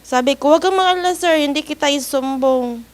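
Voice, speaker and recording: A woman's voice: high voice, a little fast. A woman, an overseas worker, earnestly and politely recounting a personal ordeal in an interview, with nervous laughs. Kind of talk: personal story told in an interview.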